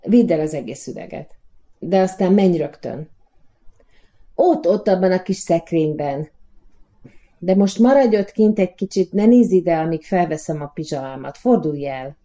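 An actress playing a coaxing, impatient prima donna in a radio play. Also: female voice, lowish voice, warm tone, close to an everyday voice. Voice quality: theatrical, coaxing.

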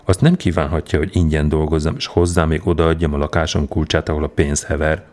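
A man voicing a cocky young male swindler who talks smoothly and mocks the people around him. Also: a bass voice, little pitch movement, a little mellow. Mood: sly, mocking. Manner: mocking, self-assured, brisk.

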